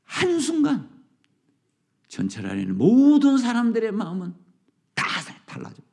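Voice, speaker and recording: A male pastor preaching a sermon at an early morning prayer service, dramatic, dropping to whispers and rising to loud lines. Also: very high voice, wildly swooping pitch, moderate pace, vocal fry.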